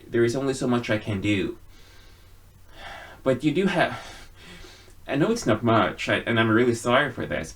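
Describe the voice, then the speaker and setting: A man giving a casual personal monologue to viewers in an earnest, halting way, with frequent pauses. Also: mid-range voice. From Sweden. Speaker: video blogger.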